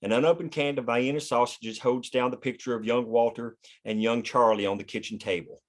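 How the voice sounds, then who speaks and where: Male narrator, mid-range pitch, reads scene headings and stage directions for a screenplay read. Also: fairly even intonation, brisk. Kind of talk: scripted narration of screenplay action.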